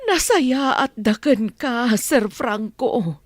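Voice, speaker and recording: A woman's voice: a little high, lively intonation, slow pace, dry recording. An actress playing Nana Gloria, an elderly maid scolding and pleading with her son in a radio drama. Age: older. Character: old housemaid Nana Gloria, Franco's real mother. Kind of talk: Ilocano radio drama acting.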